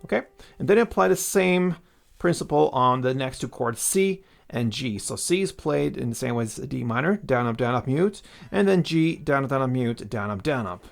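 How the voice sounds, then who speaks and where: A guitar teacher with a gravelly, medium-pitched voice and lively intonation talks at a normal speed through a casual lesson. Acoustic guitar plays in the background as he counts out each strumming stroke step by step.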